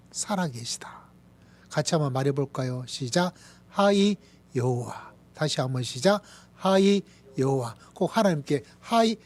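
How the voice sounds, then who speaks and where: Pastor, man, 50s, Gyeongsang accent, animated sermon delivery with whispered asides, fairly high voice. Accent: Gyeongsang Korean. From Gyeongsang Province, Korea. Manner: animated, swings between loud exclamations and soft whispered asides. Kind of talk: Friday evening sermon.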